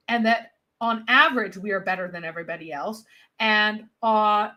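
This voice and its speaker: A woman's voice: fairly high pitch, pushed and bright. A woman co-hosting a commentary show makes her case in an emphatic, argumentative way. She presses each point hard and comes back to it. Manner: emphatic, quick to argue. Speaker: co-host. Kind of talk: critical commentary chat.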